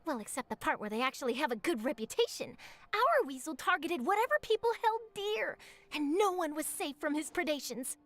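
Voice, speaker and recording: An eager young reporter from a video game, speaks in a very high, girlish register. She is chatty and articulate, swinging dramatically in pitch as she tells her story. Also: sing-song, brisk, a bit bright. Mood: keen storytelling.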